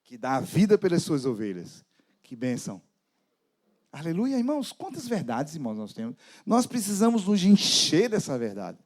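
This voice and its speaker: Pastor with sweeping dramatic pitch. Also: male voice, huge pitch swings, moderate pace. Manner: dramatic, sweeping pitch with sudden soft drops. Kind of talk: sermon.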